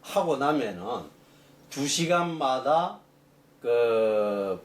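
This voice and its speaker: A man's voice: medium pitch, animated, extremely slow, echoey room. A middle-aged man, an engineering professor, answering interview questions in long explanations full of fillers and restarts.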